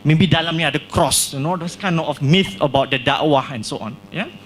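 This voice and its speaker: A man's voice: on the high side, a little fast, a bit bright, a little hiss or hum. A man from Singapore presenting his book at a launch event, talking in a discursive way with frequent "right?" tag questions and restarts. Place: small hall.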